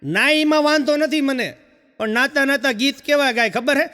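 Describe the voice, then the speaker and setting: Man, stand-up joke teller, very high bright voice, long stage reverb. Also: moderate pace. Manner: chatty storyteller with frequent "haa" fillers. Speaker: stand-up comedian.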